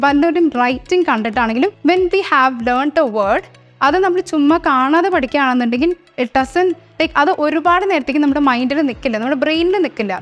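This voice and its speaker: A young woman with a Malayali English accent, teaching an exam-prep lesson and switching between Malayalam and English. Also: high-pitched. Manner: mixes Malayalam with English phrases. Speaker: language trainer. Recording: soft music underneath.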